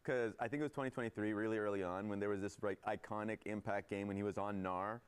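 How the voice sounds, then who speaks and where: A man's voice: fairly low pitch, fairly even intonation, fast, clear, resonant tone. A man giving conversational esports match analysis as a broadcast analyst.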